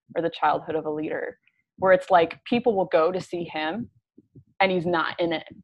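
A woman's normal speaking voice with an American accent, fairly low in pitch, fairly even in intonation and fairly quick in pace. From Utah, US. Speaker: film critic. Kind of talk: casual chat.

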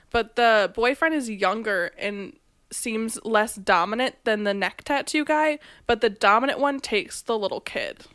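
A woman with a normal speaking voice talks at a moderate pace, her fairly high pitch showing ordinary variation, on a very clean recording with a silent background. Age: 20s. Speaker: podcast guest. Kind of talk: casual chat.

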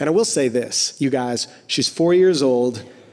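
This man's pitch is medium, his intonation lively, and his pace fairly slow. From Canada, Manitoba. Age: 30s. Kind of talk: casual onstage interview before a live audience. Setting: stage with live audience. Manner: relaxed, earnest and reflective.

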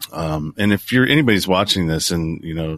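A man with an American accent speaks at a very deep, low pitch. The recording is very clean and dry, close with no echo, over a silent background. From United States. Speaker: podcast host. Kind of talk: casual chat. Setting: live stream. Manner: halting, many fillers.

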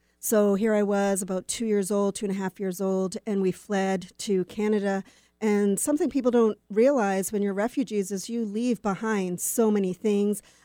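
In a very clean recording with a silent background and a dry, close sound with no echo, a woman with a normal speaking voice talks at a moderate pace, her medium pitch held in fairly even intonation. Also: hardly any pauses. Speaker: campaign advocate. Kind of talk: interview.

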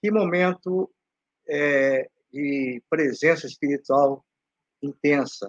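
A man speaks at a fairly high pitch with ordinary pitch variation. The sound is dry and close, without echo. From Brazil, Espírito Santo. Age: 60s. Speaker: pediatrician and hospital chaplaincy coordinator. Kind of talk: interview. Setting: live stream.

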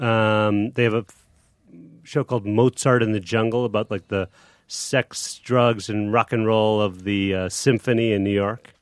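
On a very clean recording with a silent background and a dry, close sound with no echo, a man speaks at a moderate pace with fairly low pitch, monotone, flat intonation and big swings in loudness. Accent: American. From Chicago, US. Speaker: actor and director. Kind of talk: casual chat.

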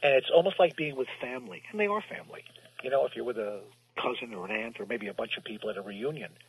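Against noticeable background noise, a man of medium pitch talks at a very fast pace with very wide pitch swings. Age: 60s. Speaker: musician from a 1970s band. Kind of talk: interview.

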